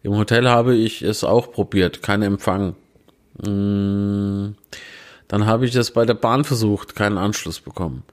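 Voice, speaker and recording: A man with a fairly low voice reads out one pun after another in a dry, plain way. He breaks off now and then for self-mocking asides. He is recorded indoors on a handheld recorder set on a small tabletop tripod. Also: measured pace. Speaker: podcaster reading out puns. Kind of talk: casual joke reading.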